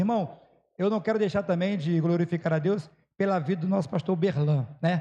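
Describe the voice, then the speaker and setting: A man speaks at a high pitch in a dark, mellow tone. He keeps a moderate pace with ordinary pitch variation. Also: quiet background. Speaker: guest preacher. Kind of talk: sermon. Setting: church. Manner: emotional.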